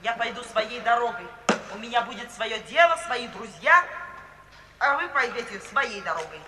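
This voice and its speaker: An actress playing a resolute, independent young daughter in a 1950s radio play, brisk, firm and formal. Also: female voice, a little high, animated, pushed and bright. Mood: cold, resolute. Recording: echoey, distant old radio recording, hiss.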